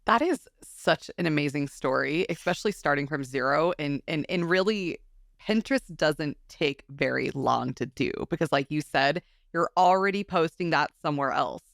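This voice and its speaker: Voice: mid-range voice, expressive, normal speed, gravelly, fairly bright tone, no echo, studio quality. A podcast host reacting with enthusiasm and restarting words as they lead into the next question. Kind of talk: interview chat.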